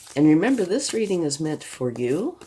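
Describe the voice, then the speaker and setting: This woman talks at a fairly quick pace. Background noise is noticeable. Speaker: tarot reader. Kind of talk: tarot reading. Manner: casual, conversational.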